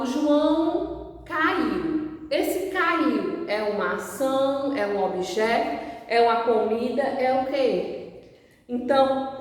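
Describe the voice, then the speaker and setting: Brief: Brazilian woman teacher, slow and patient, lively higher voice, echoey room, recorded from a distance. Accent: Brazilian Portuguese. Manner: slow, patient, over-enunciated demonstrations. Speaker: primary school teacher. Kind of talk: recorded remote lesson.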